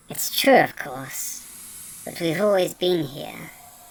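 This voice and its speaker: A put-on character voice, fairly slow, with lively intonation. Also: man, high pitch for a man. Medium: read story. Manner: petulant, derisive.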